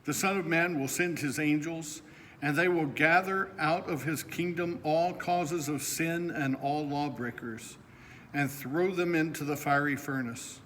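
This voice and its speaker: A middle-aged pastor reading the gospel in a steady, clear liturgical manner in a church. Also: male voice, on the high side, a little slow. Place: church sanctuary, indoors. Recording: echoing church with faint noise.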